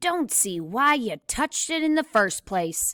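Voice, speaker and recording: In a put-on character voice, a woman speaks fairly slowly at a high pitch with very wide pitch swings, on a very clean recording with a silent background. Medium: read story.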